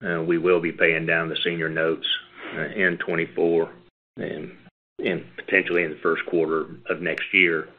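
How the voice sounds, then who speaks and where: A man speaking as a company executive, answering questions on an earnings call in a measured, halting way over a phone line. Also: low-pitched, little pitch movement. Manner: measured, halting, hedging phrasing. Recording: band-limited phone conference line.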